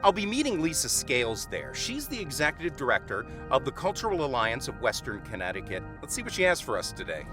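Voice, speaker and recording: A man's voice: mid-range voice, huge pitch swings, fast, few pauses, over loud music. A man hosting a conversational on-location interview, speaking in an informal, enthusiastic way. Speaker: host interviewer.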